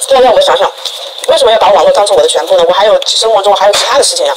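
A woman speaks very fast as noticeable noise carries on in the background. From Shandong, China. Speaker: livestream food eater. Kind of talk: casual livestream chat while eating. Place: home room. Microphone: lapel.

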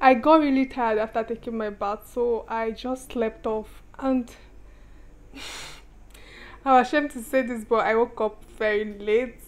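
A woman speaks at a moderate pace with fairly even intonation. Her speech has long, frequent pauses. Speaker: vlogger. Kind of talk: casual vlog chat. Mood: cheerful, laughing. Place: kitchen. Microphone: phone near.

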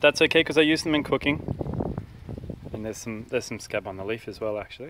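A man with an Australian accent at a very fast pace, lively intonation and big swings in loudness, dry with no echo but with noticeable background noise. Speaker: home gardener. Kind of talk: casual video tour. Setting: outdoors. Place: garden. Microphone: phone near.

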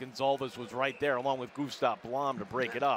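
A man talks at a fairly quick pace in a dry sound with no echo and light background noise. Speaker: play-by-play announcer. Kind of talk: live hockey play-by-play commentary. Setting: arena broadcast booth. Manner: rapid-fire, tracking each pass and player name; bursts into excited shouts on goals. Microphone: headset.

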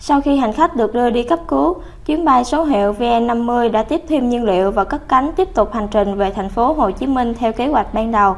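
The speech moves at a moderate pace with lively intonation and hardly any pauses. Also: woman, high pitch for a woman. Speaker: news presenter. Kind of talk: news reading.

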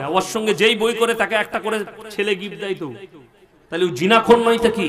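A man with a high pitch and an animated tone speaks with ordinary pitch variation over noticeable background noise. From West Bengal, India (Purba Bardhaman); West Bengal. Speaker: Islamic preacher. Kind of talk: sermon. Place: tent. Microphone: studio mic.

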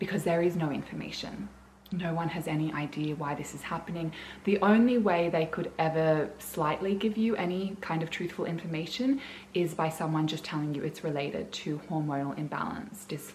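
A fairly low-pitched female voice at a fairly quick pace, with ordinary pitch variation over light background noise. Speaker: wellness vlogger. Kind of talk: casual vlog chat. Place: home room. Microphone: phone near.

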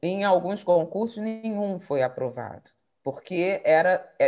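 Over a quiet background, a woman speaks at a fairly slow pace with lively intonation. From Rio de Janeiro, Brazil. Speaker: diplomat; guest. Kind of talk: interview. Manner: fluent. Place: home room. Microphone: video call.

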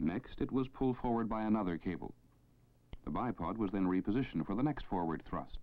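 Very fast male speech at a fairly low pitch, with ordinary pitch variation. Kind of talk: 1960s documentary narration. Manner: formal, authoritative, measured; dramatic, polished broadcaster delivery. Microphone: old recording.

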